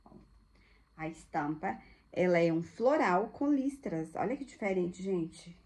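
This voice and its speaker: A woman's voice: lowish voice, animated, measured pace, a little mellow. Woman, chatty thrift seller, gushing casual showcase. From Brazil. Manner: chatty, gushing, addresses viewers as girls. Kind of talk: casual live product showcase.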